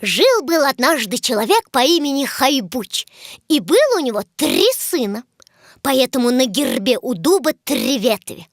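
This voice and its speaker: High, very animated cartoon guide. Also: female voice, unhurried, no room sound, studio quality, full character voice. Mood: informative. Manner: explanatory, instructive. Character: knowledgeable, patient guide explaining heraldry to a curious companion. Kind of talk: scripted educational cartoon dialogue.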